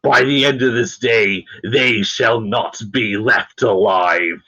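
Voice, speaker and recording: A man voicing a pompous, ruthless male warlord whose voice is magically amplified to boom across a ship. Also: sharp tone, lo-fi sound, heavily acted. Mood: rousing. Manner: slow, grand declaiming speech. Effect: magically amplified booming voice. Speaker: game master.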